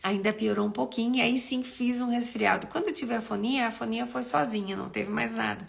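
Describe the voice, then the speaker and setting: A middle-aged nutritionist who is recovering from a cold hosts a casual livestream, her fairly high voice gravelly and her throat still rough. She speaks in a steady tone at a fairly quick pace. Chatty and rambling, she greets viewers by name and often restarts her sentences.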